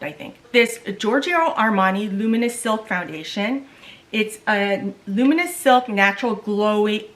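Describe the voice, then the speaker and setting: A middle-aged woman talks her way through a makeup test in a relaxed, chatty vlog. Korean is her first language, and she often trails off hunting for a word before starting again. Her voice sits at an everyday middle pitch. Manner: chatty, loses words and restarts. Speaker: beauty vlogger. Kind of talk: casual makeup tutorial chat.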